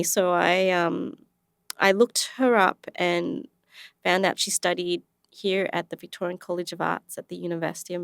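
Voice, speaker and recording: A woman from Australia, an animator and researcher, answering interview questions with animated storytelling, frequent laughs and fillers. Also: mid-range voice, no room sound, clean studio sound. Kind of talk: casual interview.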